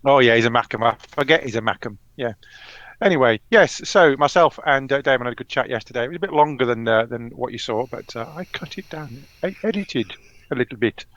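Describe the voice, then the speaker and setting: A man's voice: medium pitch, brisk, fairly bright tone, no echo. A man hosting a live-stream show, chatting casually and rambling with many ums. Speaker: host. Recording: dull lo-fi dry sound.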